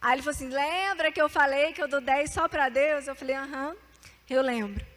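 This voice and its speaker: High-voiced young woman preaching to youth. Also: brisk. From Brazil. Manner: animated, calls for amens and repeat-after-me. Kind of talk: sermon with testimony.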